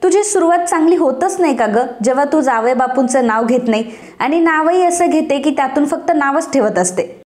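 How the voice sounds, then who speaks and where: A woman reading out a middle-aged mother who chides her daughter fondly, in a storybook retelling. The voice is high and plain. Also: lively intonation, moderate pace, echoey room. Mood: chiding. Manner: gently chiding.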